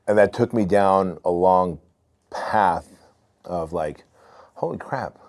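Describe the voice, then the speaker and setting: A man's voice: low voice, slow pace, a little mellow. A man in his forties from Armenia, a podcast guest telling his story in a candid, loose way. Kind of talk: casual storytelling.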